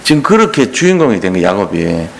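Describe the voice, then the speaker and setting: A man's voice: fairly low pitch, very animated, fast talker, vocal fry. A man preaching a sermon, retelling scripture in plain everyday speech and asking the congregation questions. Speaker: pastor.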